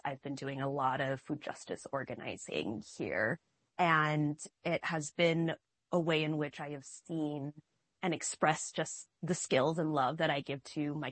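A young adult woman from Minnesota, answering interview questions in a slow, reflective, earnest way. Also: low-pitched, no echo. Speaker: guest, artist.

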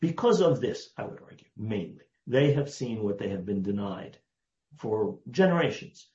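Low-voiced older man, emphatic. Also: very animated, warm tone. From United States. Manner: deliberate, emphatic, lingers on key words. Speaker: guest historian. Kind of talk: interview answer, storytelling. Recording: roomy, dull lo-fi sound.

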